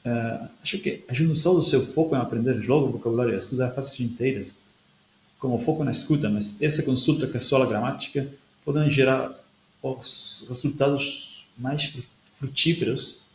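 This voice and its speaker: Casting: male host with a gravelly voice and a non-native Portuguese accent, thinks aloud with restarts, recorded in an echoey room. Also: mid-range voice, normal speed. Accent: non-native speaker of Portuguese, European Portuguese leaning. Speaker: language-learning video host. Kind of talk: casual talk, reading out and answering a viewer comment. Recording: echoey room with faint background noise.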